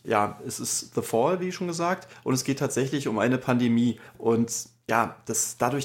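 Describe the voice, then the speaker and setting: A man co-hosting a comic podcast, chatting casually with lots of fillers and restarts. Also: medium pitch. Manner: rambling, many fillers and restarts. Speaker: podcast co-host.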